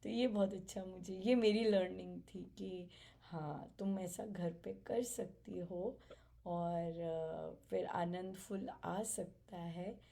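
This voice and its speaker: A woman softly sharing her spiritual learnings at a family gathering, reflective and halting. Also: fairly low pitch, steady tone, vocal fry. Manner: soft-spoken, reflective, halting with fillers and light laughs. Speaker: satsang participant sharing experience.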